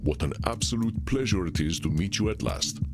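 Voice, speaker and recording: An actor playing an ancient, urbane vampire mentor in a game, speaking in formal, measured, playfully eloquent phrases. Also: male voice, fairly low pitch, animated, loud music behind the voice, lightly acted. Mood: courtly, intrigued. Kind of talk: scripted visual novel game dialogue.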